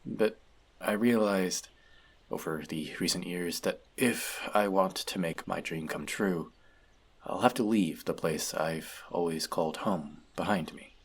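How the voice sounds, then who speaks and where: In a scripted audio roleplay spoken to the listener, a man voices an earnest, bookish elf outcast. His voice sits low and gravelly with a breathy edge, moving at a measured pace in a full character performance as he hesitantly confides his self-doubts to a friend.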